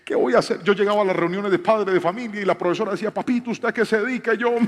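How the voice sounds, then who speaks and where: A man's voice: high voice, racing. A man in his thirties preaching a sermon as a pastor, telling personal stories and acting out quotes in changing voices. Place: church hall with live piano. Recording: live hall reverb with piano. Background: soft piano.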